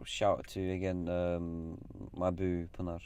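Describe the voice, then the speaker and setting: A man's voice: low-pitched, unhurried, a little hiss or hum. A young man with a North London accent, co-hosting a podcast with casual teasing banter. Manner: teasing, animated, puts on mock voices. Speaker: podcast co-host.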